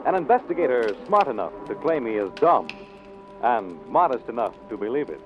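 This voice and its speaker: A man's voice: mid-range voice, big pitch swings, a little fast, loud music behind the voice. A man announcing and narrating a scripted old-time radio drama. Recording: muffled old radio recording.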